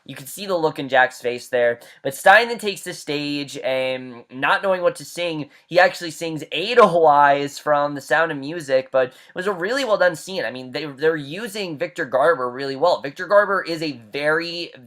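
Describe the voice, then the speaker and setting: A man's voice: fairly high pitch, moderate pace, few pauses, fairly bright tone. A man giving a casual recap and review of a TV episode, chatty and full of fillers and restarts.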